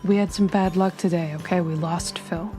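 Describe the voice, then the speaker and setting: Woman playing a low, hushed down-on-his-luck detective. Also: steady tone, over music, close to an everyday voice. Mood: weary. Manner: hushed, halting, defensive. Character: down-on-his-luck male private investigator, evasive, pleading.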